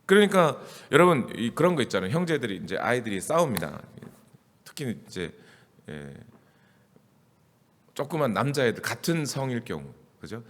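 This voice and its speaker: Lively male preacher in a reverberant church. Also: medium pitch, moderate pace. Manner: conversational preaching with rhetorical questions to the congregation. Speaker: pastor. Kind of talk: sermon. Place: church sanctuary. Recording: church hall with long reverb.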